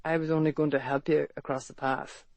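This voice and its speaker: A man's voice: on the high side, little pitch movement, fairly quick, a little mellow, dry recording, natural voice. An actor playing a bold, protective Victorian London man who talks matter-of-factly and turns coaxing and flirtatious. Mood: earnest.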